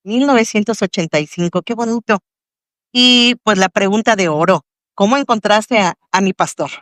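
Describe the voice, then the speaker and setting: A woman with a Mexican accent hosting a Christian testimony podcast, greeting listeners warmly and asking her guest questions. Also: mid-range voice, moderate pace, no room sound, studio quality. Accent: Mexican Spanish. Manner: warm, devout welcoming address to the audience. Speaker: podcast host. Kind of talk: faith testimony interview.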